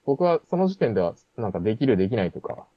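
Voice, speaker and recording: A man's voice: fairly low pitch, very animated, fast, no room sound. A man telling a personal story in casual chat, with many fillers and restarts. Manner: rambling storytelling with frequent fillers. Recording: dull lo-fi sound.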